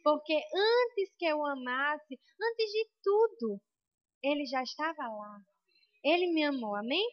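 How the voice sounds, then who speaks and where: A woman's voice: sits high, animated, takes it slowly, no echo, highs cut off. A young Brazilian woman preaching a sermon in a church with a Brazilian Portuguese accent, impassioned and building to emphatic peaks.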